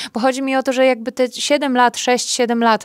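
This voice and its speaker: Speech moves at a fairly quick pace against a quiet background. The sound is dry with no echo. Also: woman. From Poland, Białystok (Podlasie); Poland. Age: 20s. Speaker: jazz singer; guest. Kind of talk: radio interview. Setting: radio studio. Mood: relaxed, smiling. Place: studio.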